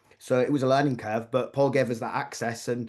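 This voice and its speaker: In an English accent, a man speaks at a fairly quick pace and medium pitch with monotone, flat intonation. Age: 40s. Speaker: film director. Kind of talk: interview.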